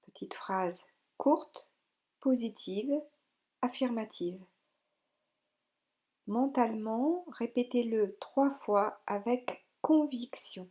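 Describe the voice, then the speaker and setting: Slow, mellow woman guiding relaxation. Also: a little high. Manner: soothing, gentle, unhurried instructions with pauses. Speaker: yoga nidra instructor. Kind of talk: guided relaxation meditation.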